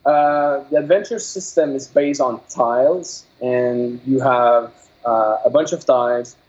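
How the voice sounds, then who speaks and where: A man with a Québécois French accent talks as a guest in a casual interview, his English broken by fillers and restarts. His voice is dark and mellow, and the audio sounds dull and lo-fi. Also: mid-range voice. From Quebec, Canada. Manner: halting, many fillers and restarts while searching for words. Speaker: game developer guest.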